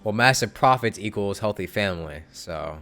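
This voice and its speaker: A man's voice: lowish voice, lively intonation, moderate pace, a bit bright. A man streaming a game, reacting in a laid-back, rambling way with lots of "like"s. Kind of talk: casual live-stream reaction.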